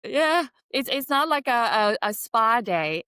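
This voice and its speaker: Smooth-voiced woman from Vietnam. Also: a little high, unhurried, dry recording, studio quality. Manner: animated storyteller with fillers. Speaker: guest, skincare founder. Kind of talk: casual interview storytelling.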